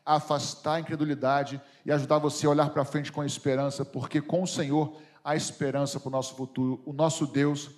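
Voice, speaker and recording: A man's voice: a little high, flat delivery, fairly quick. A man preaching a sermon as a pastor in a church, emphatic and questioning the congregation. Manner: emphatic, asks the congregation questions and acts out prayers.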